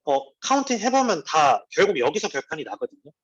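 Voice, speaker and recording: A man speaks at a team meeting, his fairly high voice swinging up and down as he talks. He keeps it conversational and drops in personal asides and quick checks like "right?". The sound is a little dull and lo-fi. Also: big pitch swings, fairly bright tone, husky. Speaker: network marketing team leader. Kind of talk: motivational business talk.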